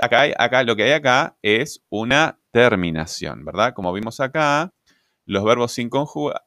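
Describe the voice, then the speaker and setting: In a clean, dry studio recording, a man with a lowish, bright, forceful voice delivers a grammar lesson. He explains things patiently, asks rhetorical questions, and often drops in "¿verdad?" and "este" as fillers.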